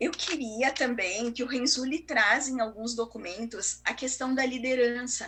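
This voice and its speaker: The tone is bright and sharp, and the pace is fairly slow. There are hardly any pauses. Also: woman, high pitch for a woman. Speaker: educator. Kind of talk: online talk. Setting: video call.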